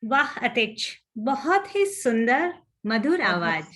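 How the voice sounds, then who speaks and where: A woman's voice: on the high side, very animated, takes it slowly, a bit bright. A woman hosting an online children's competition over a video call, announcing each participant formally and praising them. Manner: polite, encouraging, formal Hindi.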